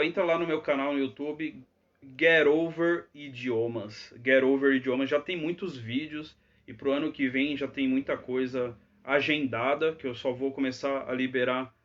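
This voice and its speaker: A man's voice: mid-range voice, dull audio. A man teaching English in a live Q&A, chatty and always checking in with tag questions. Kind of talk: live Q&A lesson.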